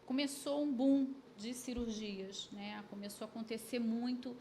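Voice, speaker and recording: A woman with a higher-pitched voice speaks as a guest expert on a podcast. She talks in a measured way, pausing to collect her thoughts before she makes her point. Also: fairly even intonation, dark tone, slight background noise. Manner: measured, gathers thoughts with fillers. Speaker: pediatric dentist and orthodontist guest. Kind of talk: explanatory podcast conversation. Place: podcast studio.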